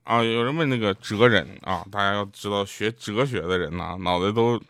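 A man doing a stand-up comedy set on stage, telling deadpan stories and acting out quotes. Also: fairly low pitch, normal speed, dry recording, faint music behind. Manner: deadpan storytelling with acted quotes. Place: stage with live audience.

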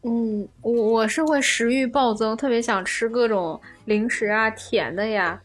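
A woman's voice: a little high, unhurried, faint music behind. A woman co-hosting a casual podcast chat, playful and giggly. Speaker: podcast co-host.

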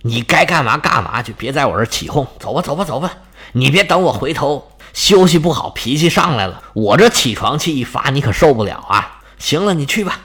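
A man's voice: mid-range voice, expressive, fairly quick, a bit bright, husky, pitched below the performer's own voice. A man doing a lazy, boastful monster lion.

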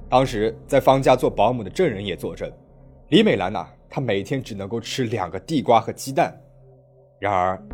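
A man's voice: lowish voice, darkish tone. A man narrating a true-crime story from a script, telling it dramatically with rising emphasis.

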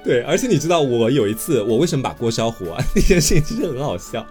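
A man co-hosting a podcast, telling stories in casual chat with a laughing, animated manner. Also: medium pitch, fast, music in the background. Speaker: podcast co-host.

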